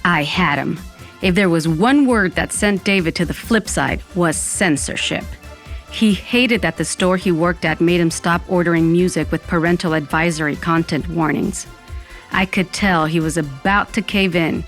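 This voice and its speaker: With soft music underneath, a woman performs first-person scripted narration as a dramatic, dreamy young Latina recounting her story wistfully. She uses a fairly low, natural voice and speaks at a normal speed.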